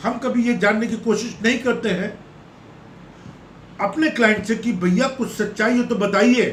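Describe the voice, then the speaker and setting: Through noticeable background noise and audible room echo, a man speaks at a high pitch with fairly even intonation and long, frequent pauses. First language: not Hindi (speaking Hindi). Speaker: lawyer. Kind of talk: legal explainer video.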